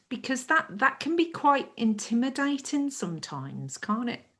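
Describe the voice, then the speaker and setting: The speaker talks at a fairly slow pace in a Birmingham accent. Lively intonation comes through over a quiet background. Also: woman. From England, Birmingham. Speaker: interviewer, academic. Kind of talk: interview.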